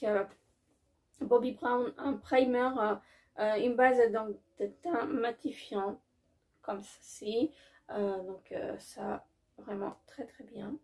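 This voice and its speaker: Female beauty vlogger, slightly high, gravelly tone; casual, halting unboxing chat, enthusiastic. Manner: hesitant, many filler pauses and restarts; warmly enthusiastic about products.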